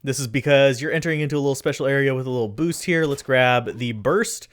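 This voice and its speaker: Speaking fast in a mid-range voice, this man chats casually over a game he's playing, poking fun at himself and frequently losing the thread. He's a let's play commentator, and game music plays faintly in the background.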